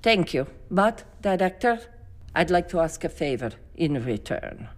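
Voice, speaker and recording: A low-voiced, dignified starship captain. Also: female voice, sing-song, unhurried. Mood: earnest. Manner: formal, earnest. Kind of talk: science fiction audio drama acting.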